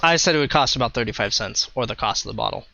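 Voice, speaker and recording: A man's voice: mid-range voice, lively intonation, rapid-fire, creaky, pushed and bright, no room sound, lo-fi sound. A man running a tabletop game as game master, joking and laughing loosely between scenes.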